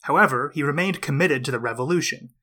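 Bright-voiced male history podcaster, recovering from a cold. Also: fairly high pitch. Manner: measured, explanatory storytelling. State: getting over a cold. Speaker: podcast host. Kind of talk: scripted history narration.

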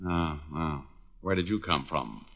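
A man's voice: a bass voice, a little slow, gravelly, no echo, full character voice. A man playing a wisecracking hard-boiled private eye in a 1940s radio drama, with a clipped, sardonic tough-guy delivery. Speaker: radio drama lead actor and show host. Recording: dull lo-fi old radio broadcast.

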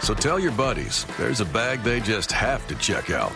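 Low-voiced man reading an ad. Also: sing-song, moderate pace. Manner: upbeat, punchy sales delivery. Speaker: ad announcer. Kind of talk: scripted radio ad read. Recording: ad read over music.

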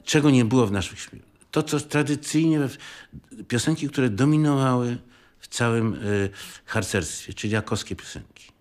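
An older man with a mid-range voice recalls the past in casual talk. He speaks haltingly and often rephrases himself. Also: medium pitch. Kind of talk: casual reminiscence.

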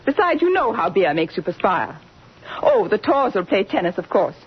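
An actress playing a nagging, imperious middle-aged British wife in an old-time radio drama. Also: female voice, medium pitch, big pitch swings, moderate pace, breathy edge. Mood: nagging, bossy. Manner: imperious, scolding, curt orders. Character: bossy, nagging older battle-axe wife of a doctor. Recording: muffled old radio recording, faint music.

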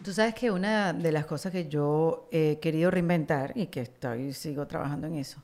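A woman's voice: sits low, moderate pace, a little mellow. A woman from Venezuela with a Venezuelan accent, speaking conversationally as a podcast host. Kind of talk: conversational interview and sponsor read.

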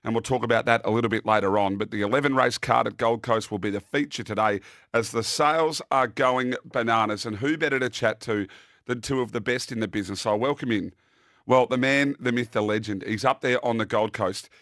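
A man's voice: medium pitch, a little fast, a bit bright, no room sound, studio quality. An Australian-accented man hosts a sports preview show in a mid-range voice with very little room sound. His presenting is casual and full of jokey banter. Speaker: host.

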